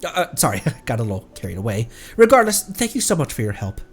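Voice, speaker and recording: A man's voice: mid-range voice, huge pitch swings, quick pace, slightly rough, soft background music, voice pushed down, heavily acted. A man voicing a polite, enthusiastic researcher from a fantasy game, chatty and courteous as he reads the dialogue aloud. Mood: apologetic.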